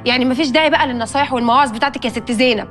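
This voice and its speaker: An actress playing a defiant, sharp-tongued young woman who speaks sarcastically with an Egyptian accent in a TV drama. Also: high voice, very fast, soft background music. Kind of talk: TV drama acting.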